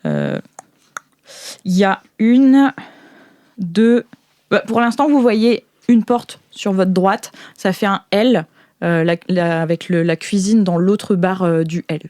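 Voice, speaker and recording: A woman's voice: mid-range voice, very animated, slow, warm tone, no echo, studio quality. A woman improvising scene descriptions as a game master in a casual, conversational way.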